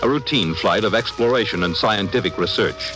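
A man's voice: on the low side, fairly quick, loud music behind the voice. A man narrating a 1950s radio drama in a grave, portentous manner.

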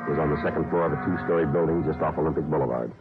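An actor playing a matter-of-fact police detective who narrates in short, flat sentences, in a 1950s radio crime drama. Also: male voice, extremely low pitch, rapid-fire, music in the background. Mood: easygoing. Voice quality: flat, clipped delivery. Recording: tinny old radio broadcast.

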